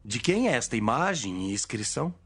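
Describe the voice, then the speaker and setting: A Brazilian man playing an authoritative teacher, measured and declamatory, in a dramatized audio Bible. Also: mid-range voice, very animated, a bit bright, husky, soft background music, full character voice. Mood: authoritative teaching.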